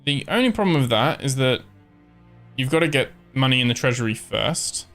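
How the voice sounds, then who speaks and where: A man giving relaxed, casual commentary as he streams a strategy game, thinking aloud with frequent ums. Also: medium pitch, moderate pace, faint music behind. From born in Scotland, raised in Ireland. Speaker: live-streamer.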